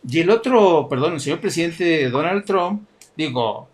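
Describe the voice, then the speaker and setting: A man comments on politics with a teasing, animated sarcasm and frequent laughter. His voice sits a little high for a man. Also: normal speed. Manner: mocking, animated, laughs often.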